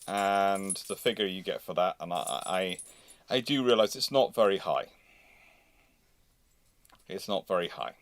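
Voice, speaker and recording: A man hosting a casual live question-and-answer stream, speaking haltingly, often repeating phrases and interrupting himself. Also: sits low, dry recording. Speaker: livestream host.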